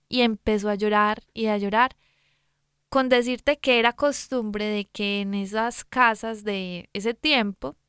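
A woman's voice: fairly high pitch, a bit bright, smooth, dry recording, clean studio sound. A woman co-hosting a casual faith talk, retelling a Bible story in a chatty, folksy way with lots of "pues" asides. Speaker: Christian talk co-host.

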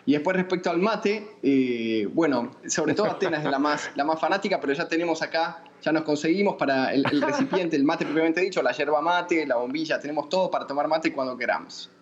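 A man's voice: fairly high pitch, a little fast, hardly any pauses, lo-fi sound, slight background noise. A man from Argentina with an Argentine accent, a musician guest answering thoughtfully with many restarts. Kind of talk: interview answers.

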